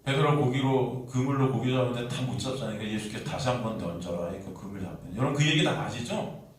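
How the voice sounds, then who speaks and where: A man's voice: mid-range voice, fast, a little hiss or hum. A male pastor delivering a sermon, often asking the congregation questions and reading scripture aloud. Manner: preaching with rhetorical questions to the congregation. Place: church sanctuary. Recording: echoey hall, voice from far off.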